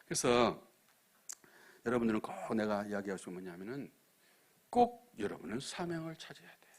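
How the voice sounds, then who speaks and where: A man with a Jeolla accent preaching a sermon as a missionary, telling stories with sudden loud emphasis and near-whispers. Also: fairly low pitch, very animated, normal speed. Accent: Jeolla dialect.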